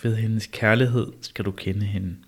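A man reading the part of the old prophet Elijah in a measured, insistent way, during an amateur read-through. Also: on the low side, steady tone. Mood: solemn. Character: old male prophet Elijah, calm and solemn.

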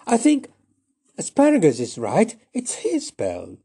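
A man's voice: sits high, wildly swooping pitch, unhurried, gravelly, mellow, slightly rough, pitched above the performer's own voice, exaggerated voice. A man voicing a clever, peculiar young girl in a told story, speaking earnestly and matter-of-factly.

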